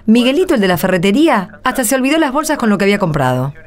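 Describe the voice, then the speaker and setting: A woman's voice: fairly high pitch, sing-song, very fast. A woman with an Argentine accent playing an anxious, puzzled parish churchgoer in a radio drama. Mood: worried. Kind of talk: Spanish-language radio drama acting and narration. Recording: music under the voice. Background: music.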